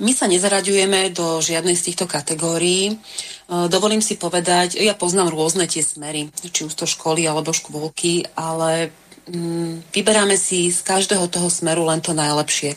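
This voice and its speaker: Amid noticeable background noise, a woman speaks at a moderate pace with a fairly low pitch and fairly even intonation. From central Slovakia. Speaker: school founder. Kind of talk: online panel discussion.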